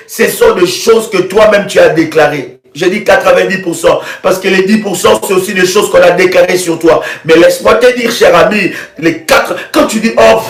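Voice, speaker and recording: A man preaching in a live prayer broadcast, with fervent, repetitive declarations and bursts of shouting. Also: high voice. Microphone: live video stream. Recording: echoey room with soft music.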